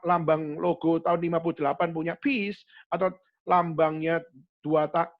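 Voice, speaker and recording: A man preaching a sermon as a pastor, animated, dropping in English words and acting out quoted speakers. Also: high voice, dull audio. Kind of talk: sermon to a youth fellowship.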